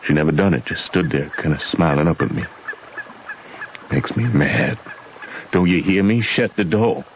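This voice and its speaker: Very deep-voiced, sorrowful Southern father. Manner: folksy rural dialect, drawn-out lamenting. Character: gentle, sorrowful runaway man, a devoted father. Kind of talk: old-time radio drama acting. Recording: muffled, faintly noisy old radio recording.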